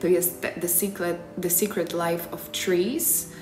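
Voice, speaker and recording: A woman's voice: lowish voice, fairly even intonation, takes it slowly, background noise. A young woman vlogging to her phone camera from her living room, chatty and enthusiastic, with plenty of filler sounds. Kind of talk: casual vlog chat to camera. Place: bright living room at home. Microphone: phone camera on a tripod nearby. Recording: roomy echo with music behind.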